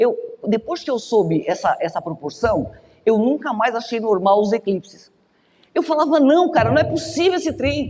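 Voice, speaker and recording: A man speaks in an animated tone at a moderate pace. His extremely high pitch swings very widely. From Brazil, Santos (São Paulo state). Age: 60s. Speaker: astrology lecturer. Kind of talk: lecture.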